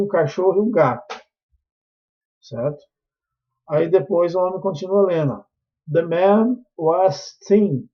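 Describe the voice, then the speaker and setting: Husky Brazilian teacher, patient, checks in often. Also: male voice, fairly high pitch, highs cut off. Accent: Brazilian Portuguese. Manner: patient, checks in constantly with tag questions. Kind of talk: recorded class explanation.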